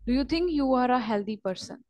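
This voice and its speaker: A woman's voice: high-pitched, animated, fairly quick, warm tone, dry recording. A woman acting as examiner in a mock speaking test, asking brief, formal questions over a video call.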